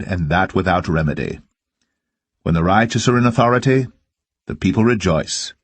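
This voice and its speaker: Deep-voiced man solemnly reading scripture. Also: slightly rough, no room sound. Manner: measured, deliberate phrasing. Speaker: scripture reader. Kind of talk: solemn scripted Bible reading of archaic King James verse.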